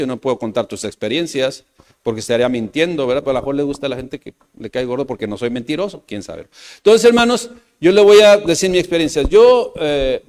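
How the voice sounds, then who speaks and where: Here a male pastor with a Mexican Spanish accent gives a sermon, addressing the brothers and the church directly and repeating phrases. He alternates loud emphatic outbursts with quiet, low-voiced asides.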